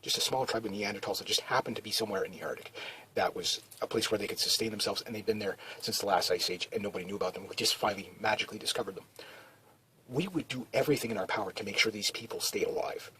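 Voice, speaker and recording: Man, fairly low voice, casual vlog monologue, rambling, lots of fillers and false starts. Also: quick pace, sharp tone, a little hiss or hum, low-quality recording. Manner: meandering, many restarts and "you know" fillers. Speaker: video blogger.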